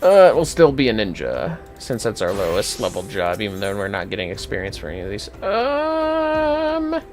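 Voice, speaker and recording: Livestreamer, casual and salty, mid-range lively voice, mutters while playing, music underneath. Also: mid-range voice, normal speed. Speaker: livestreamer playing an online fantasy game. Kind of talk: casual gameplay commentary. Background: game music.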